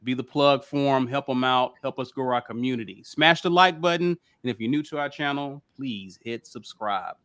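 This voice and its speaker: A man's voice: medium pitch, moderate pace, few pauses, fairly bright tone, no room sound, clean studio sound. A man hosting a casual sports talk show, reading plugs and kicking things off with an upbeat delivery. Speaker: podcast host.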